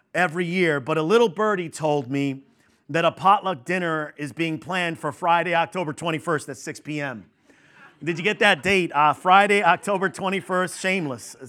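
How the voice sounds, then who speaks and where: This man's voice sits on the high side with a clean tone. He's a pastor in his fifties from New York, preaching conversationally and with warm humor to his congregation, dropping in chatty asides and many fillers.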